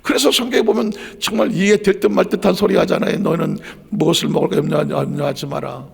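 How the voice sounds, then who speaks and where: A man preaching a sermon as pastor, swinging between loud emphasis and hushed quiet passages. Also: fairly high pitch, fairly even intonation, fast talker, vocal fry, breathy edge, long reverb tail.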